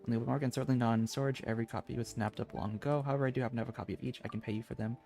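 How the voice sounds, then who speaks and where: A man doing live game-stream commentary, excitable and chatty with viewers, sometimes reading dialogue aloud. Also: medium pitch, rapid-fire, gravelly, faint music behind.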